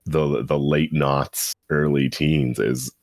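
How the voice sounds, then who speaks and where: A man's voice: very deep voice, steady tone, slow pace, darkish tone, no room sound, studio quality. A man co-hosting a podcast, riffing wryly in casual chat. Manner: wry, rambling riffs. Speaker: podcast co-host.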